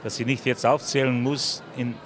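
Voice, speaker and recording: A man's voice: mid-range voice, little pitch movement, moderate pace. A middle-aged man from Bosnia and Herzegovina, a musician, speaking friendly and searching for words at an outdoor festival. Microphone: handheld mic. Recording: crowd noise behind.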